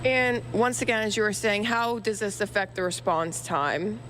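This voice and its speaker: A woman's voice: medium pitch, moderate pace, a bit bright. A woman working as a field reporter, presenting and asking interview questions on location. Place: large warehouse. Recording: faint hum behind.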